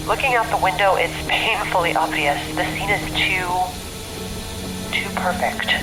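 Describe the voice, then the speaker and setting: A woman's voice: fairly low pitch, close to an everyday voice. An actress playing a weary, analytical woman trapped on a train, recording her journal in an audio drama. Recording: noisy, echoey train car.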